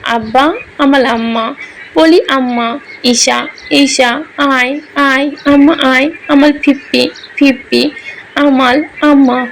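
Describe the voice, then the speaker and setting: A small grieving girl in a storybook reading, lisping and pleading in broken baby words, voiced by a woman. Her words come slowly and stretched out, pitched a little above the woman reader's already high voice. A faint hush sits underneath. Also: fairly even intonation, a little hiss or hum. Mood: tearful pleading. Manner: lisping baby talk, sobbing pleas.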